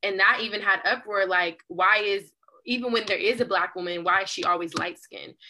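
A woman with an unremarkable speaking voice talks at a fairly quick pace and medium pitch, her intonation fairly even but her loudness swinging widely. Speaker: panelist. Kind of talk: casual panel discussion.

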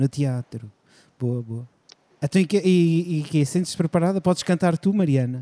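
With a European Portuguese accent, a man speaks in a fairly high voice with a dark, mellow tone. His pace is moderate, his pitch varies in an ordinary way, and the sound is dry and close with no echo. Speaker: podcast host interviewing school students. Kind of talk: casual chat. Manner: animated.

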